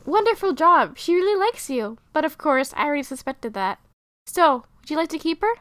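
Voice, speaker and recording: A woman voicing a prim, stern but fair female teacher with a formal, measured manner in an animated roleplay story. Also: high-pitched, no echo. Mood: approving. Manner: formal, measured, addresses pupils by title. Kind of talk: hobby animated roleplay voice acting.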